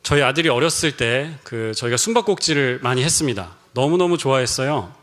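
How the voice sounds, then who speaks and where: A man's voice: medium pitch, lively intonation, fairly quick, a bit bright. A middle-aged man preaching a Sunday sermon as pastor, telling stories and acting out the voices in them. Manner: storytelling, acts out quoted voices. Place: church sanctuary.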